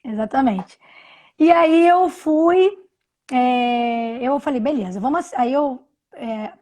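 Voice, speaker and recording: A woman in her thirties telling a personal story on a live video call, halting, with many restarts and repeated words. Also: sits high, warm tone. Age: 30s. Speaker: interview guest. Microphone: video call from home.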